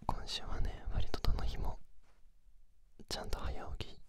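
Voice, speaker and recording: A man doing casual, intimate pillow talk in a soft, breathy whisper, close to a binaural microphone. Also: a little slow. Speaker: host of a pillow-talk audio series.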